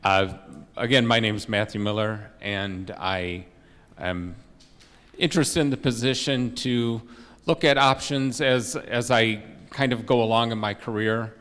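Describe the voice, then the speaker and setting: A middle-aged man with a loud voice answering interview questions on a handheld mic, with many fillers and restarts. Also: on the low side, measured pace. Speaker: job candidate. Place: township meeting room. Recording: long hall reverb.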